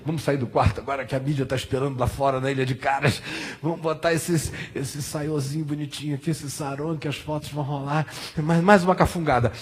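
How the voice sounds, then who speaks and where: A man with a Brazilian accent playing a vain, hurried celebrity primping for photographers in an affected, breezy way during a comic sketch. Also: on the high side, fairly even intonation, breathy edge. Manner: affected, breezy, self-absorbed.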